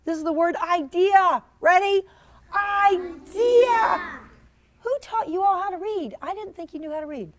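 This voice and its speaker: High-pitched woman storyteller, slow and animated. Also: very noisy. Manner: animated, theatrical, teacherly with prompting questions. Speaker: storyteller reading own children's book to a class. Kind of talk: interactive children's read-aloud.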